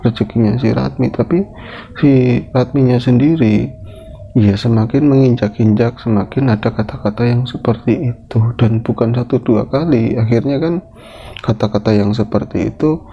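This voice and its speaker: A man's voice: mid-range voice, moderate pace, warm tone, slight background noise. A man telling a horror story in a chatty, loose way full of fillers. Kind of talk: casual spoken horror storytelling. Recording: dull lo-fi recording.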